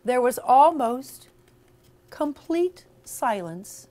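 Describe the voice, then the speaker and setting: A woman with a fairly high, very animated voice reads aloud to young children. She is slow and teacherly, encouraging them along and stressing words theatrically. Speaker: storyteller and author. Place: in front of a class of children.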